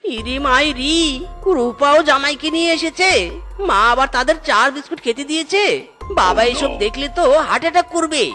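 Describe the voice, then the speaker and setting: Young duck son, comedy cartoon: bright, forceful, whiny, stingy, panicky. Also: sits high, normal speed, soft background music. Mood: whiny, alarmed. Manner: whining exclamations, repeated catchphrase. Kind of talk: Bengali comedy cartoon dialogue.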